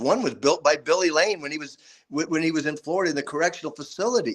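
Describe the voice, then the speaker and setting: A man at a very fast pace. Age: 60s. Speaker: motorcycle racer and event emcee. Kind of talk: casual chat. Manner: animated.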